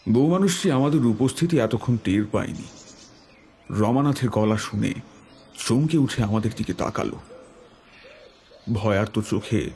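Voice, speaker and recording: A man narrating a scripted horror tale in the first person, with measured, literary storytelling. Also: mid-range voice, dark tone, slight background noise.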